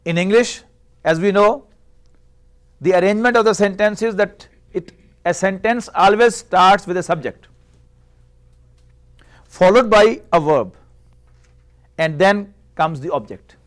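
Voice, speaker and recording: A middle-aged man whose native tongue is Urdu explains language structure in a steady, patient teaching voice that sits noticeably high. He often pauses to pose rhetorical questions to his students. He is recorded close on a lapel mic in a small classroom. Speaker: Arabic teacher. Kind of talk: classroom lecture.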